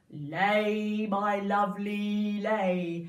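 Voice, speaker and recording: A put-on character voice at a fairly high pitch. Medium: read story. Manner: booming, bossy.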